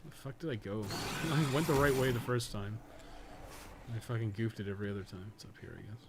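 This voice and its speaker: A man's voice: lowish voice, a little fast, vocal fry, background noise. Blunt, sweary male game streamer. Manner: blunt, sweary, rambling opinions. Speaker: game streamer and podcast host. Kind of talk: casual live game stream chat.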